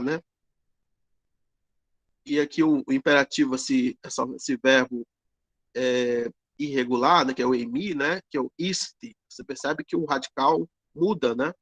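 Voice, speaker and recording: A man teaching an online grammar lesson, explaining slowly with many fillers and tag questions. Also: medium pitch, a bit bright, no room sound. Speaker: Greek teacher.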